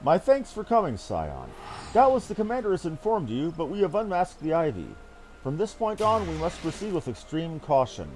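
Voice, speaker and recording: A man's voice: on the high side, huge pitch swings, normal speed, darkish tone, a little hiss or hum. Man putting on a grave, formal fantasy captain. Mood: grave, cautious. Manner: grave, formal, archaic diction. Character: earnest military captain briefing an ally on a spy hunt. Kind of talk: reading fantasy game dialogue aloud.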